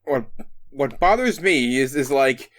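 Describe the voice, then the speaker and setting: A man's voice: medium pitch, animated, measured pace, a bit bright. A man riffing on a fanfic in rambling, self-interrupting comic commentary. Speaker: co-host.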